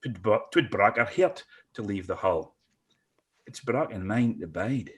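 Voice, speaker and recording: A man's voice: lowish voice, animated, a little slow. A man with a North East Scottish Doric accent reciting dialect poetry. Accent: Doric, North East Scotland.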